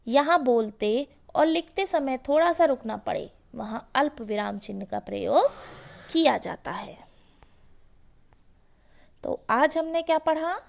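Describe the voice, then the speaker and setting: A woman teacher giving a grammar lesson, explaining slowly and asking questions before each example. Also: high voice, animated, gravelly.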